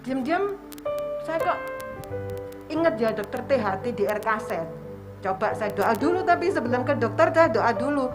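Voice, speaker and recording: A woman's voice: fairly high pitch, animated, moderate pace, long pauses, over music. Earnest older woman with an East Javanese accent. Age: 70s. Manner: earnest storytelling, acting out her own prayers and conversations. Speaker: church member giving testimony. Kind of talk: personal testimony at a worship service.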